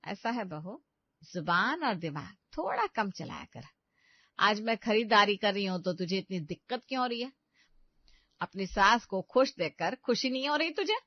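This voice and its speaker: A woman voicing a sharp-tongued, stingy older mother-in-law who scolds and bosses, in a dry, dull recording. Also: medium pitch, sing-song, normal speed, dry recording. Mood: scolding. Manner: scolding, bossy.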